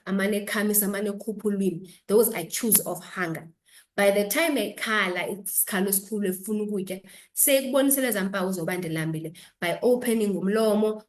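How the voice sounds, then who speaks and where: A woman doctor with a South African accent explaining health advice as an interview guest, instructive and switching between two languages. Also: mid-range voice.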